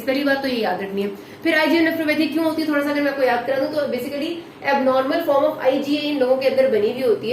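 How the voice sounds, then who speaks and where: A woman lecturing on medicine in a patient, explanatory way, often checking in with students and repeating key points. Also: high-pitched. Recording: echoey room with faint noise.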